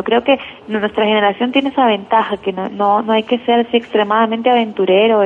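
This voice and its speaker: A woman from Ecuador giving conversational interview answers, talkative and repeating words as she searches for phrasing. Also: medium pitch. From Guayaquil, Ecuador. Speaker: interview guest, journalist. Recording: tinny phone-like line, faint noise.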